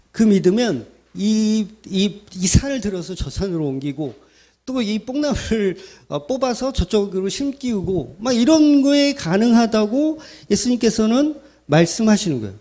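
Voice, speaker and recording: A man's voice: high-pitched, warm tone. A man preaching a sermon at a summer retreat as pastor, chatty and joking, asking the audience rhetorical questions.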